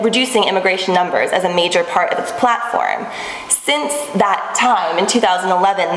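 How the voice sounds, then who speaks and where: A woman in her twenties giving a measured academic presentation to a panel in a small seminar room. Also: mid-range voice, a bit bright. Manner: clear, measured lecturing with occasional restarts. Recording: echoey room with long reverb, faint background noise.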